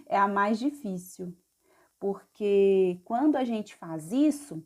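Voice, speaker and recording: A woman's voice: medium pitch, a little mellow. A Brazilian woman teaching an adult literacy class, sounding out syllables letter by letter and often checking in with her students. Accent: Brazilian Portuguese. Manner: patient, spells letters slowly, checks in with "tá bom?".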